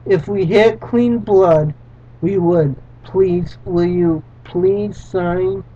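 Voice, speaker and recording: A man reading the lines of an old gray-haired male doctor, urgent and pleading, in a halting read-aloud way. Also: sits high, mellow, heavily acted. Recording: dull lo-fi recording.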